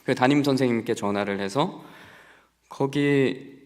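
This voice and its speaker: A man's voice: medium pitch, lively intonation, a little fast. A young adult man preaching to a congregation in a conversational, storytelling way and asking them questions. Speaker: pastor. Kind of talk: sermon. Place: church sanctuary. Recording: long reverb of a church hall.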